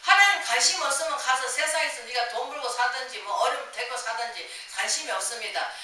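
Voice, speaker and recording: A woman's voice: sits high, fairly quick, sharp tone. An older woman pastor preaching a sermon, asking rhetorical questions and answering them herself, acting out the complaints she quotes. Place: church sanctuary. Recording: echoey room, voice from far off the mic.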